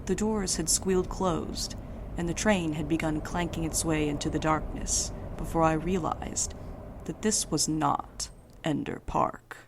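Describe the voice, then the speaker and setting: A woman playing a wry, defiant night courier in an audio drama, with a dry, deadpan manner. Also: low voice, vocal fry. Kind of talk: audio drama acting and narration.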